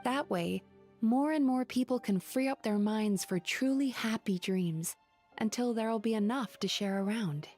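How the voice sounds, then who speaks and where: An actress voicing a gentle, wistful female dream-eating spirit who works as a psychologist in a video game, speaking in a measured, reflective way. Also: a little high, soft background music. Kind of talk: video game character dialogue.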